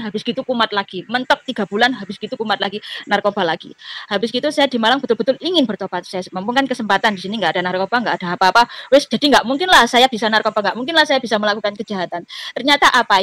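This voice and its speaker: A woman's voice: a little high, a bit bright. A woman with a Javanese accent giving a personal testimony on a video call, telling her story in a chatty way with many fillers.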